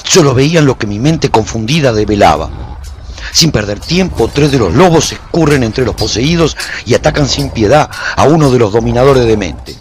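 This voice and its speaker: A man's voice: medium pitch, lively intonation, moderate pace, a little hiss or hum, close to an everyday voice. An actor playing a haunted warrior who narrates his post-apocalyptic story in a solemn, theatrical, intense way for a radio drama. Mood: frantic, intense. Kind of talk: dramatic first-person scripted narration.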